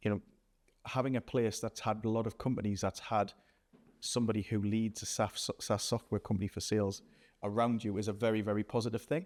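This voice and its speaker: A man with a North East England accent speaks at a moderate pace, his pitch fairly low and his intonation fairly even. The sound is dry and close with no echo, on a very clean recording with a silent background. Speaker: company founder and CEO. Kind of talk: podcast interview. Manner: hesitant with repetitions.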